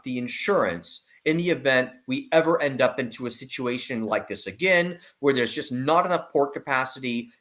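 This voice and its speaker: A man's voice: mid-range voice, fairly bright tone. Emphatic man giving market commentary. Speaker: investment analyst guest. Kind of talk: market commentary in an online discussion.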